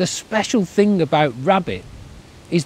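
A somewhat breathy male voice, dry with no echo, over light background noise. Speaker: storyteller. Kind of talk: children's storytelling. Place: forest. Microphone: phone near.

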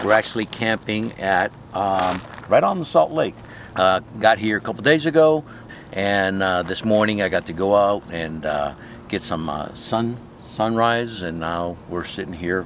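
Recorded dry with no echo and light background noise, a man speaks at a fairly slow pace with a fairly low pitch. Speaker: travel vlogger. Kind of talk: casual vlog chat. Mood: relaxed, pleased. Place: waterside. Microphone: phone near.

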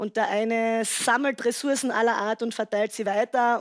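The speaker has a Carinthian accent and fairly even intonation. The pace is moderate and the background quiet. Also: woman. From Austria, Carinthia. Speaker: commune member, association founder; talk show guest. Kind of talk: talk show conversation. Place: studio.

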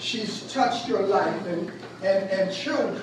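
The man's voice carries strong room echo over light background noise. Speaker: preacher giving the eulogy. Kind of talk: sermon, preacher in full flow, building call-and-response to a rousing climax. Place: church. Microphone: camera far.

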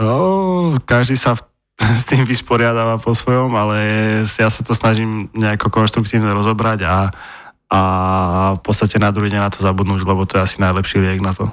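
At a fairly quick pace, a man talks in a fairly low pitch with ordinary pitch variation. The background is quiet. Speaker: guest. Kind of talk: interview answer. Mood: calm, thoughtful. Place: studio. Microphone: studio mic.

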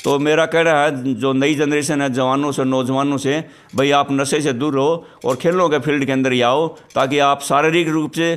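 At a fairly slow pace, a man with a fairly high pitch speaks with fairly even intonation. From Haryana. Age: 60s. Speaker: retired engineer and masters athlete. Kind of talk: interview. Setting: at home. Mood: proud, earnest. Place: home room. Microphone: handheld.

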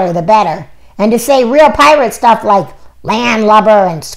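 With lively intonation, the speaker reads the text aloud in a plain way.

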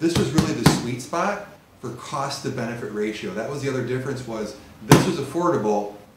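A man's voice with audible room echo over loud background noise. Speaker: presenter. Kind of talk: tutorial. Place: garage.

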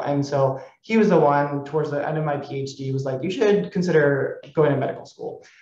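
A fairly high-pitched male voice with audible room echo. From Hawaii, Oahu (Mililani); Hawaii. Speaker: physician scientist. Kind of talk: lecture. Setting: video call from home office. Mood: casual, friendly, self-deprecating. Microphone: video call.

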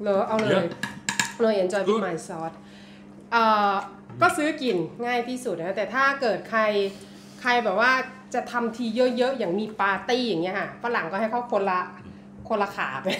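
Ordinary pitch variation from a woman, with light background noise and audible room echo. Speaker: food vlogger. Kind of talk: casual vlog chat while eating. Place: home room. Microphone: camera far.

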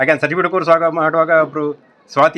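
An unremarkable speaking voice from a man, fairly high in pitch. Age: 60s. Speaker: retired engineer, yoga graduate. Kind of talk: interview.

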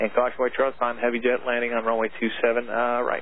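A man talks at a very fast pace. The sound is dry, with no echo. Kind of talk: radio instructions. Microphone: two way radio.

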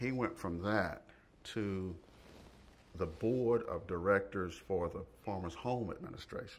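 In an American accent, a man talks at a fairly slow pace with a fairly low pitch. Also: ordinary pitch variation. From North Carolina. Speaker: textile executive. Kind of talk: interview answer. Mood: calm, thoughtful. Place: street.

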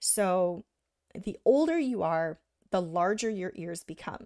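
At a very slow pace, a woman speaks with lively intonation in a dry, close sound with no echo. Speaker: art instructor. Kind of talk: live drawing workshop tutorial. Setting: online live stream on stage with chat. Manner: friendly, explanatory.

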